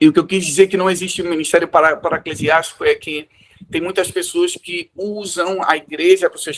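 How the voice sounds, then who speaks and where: At a moderate pace, a man talks with a dry, close sound and no echo. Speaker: pastor. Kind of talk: sermon.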